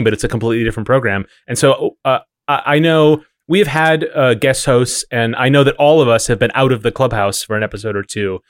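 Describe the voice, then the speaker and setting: A man's voice: mid-range voice, no room sound, clean studio sound. A man co-hosting a podcast in casual chat, with a wry, rambling way of explaining things. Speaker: podcast co-host.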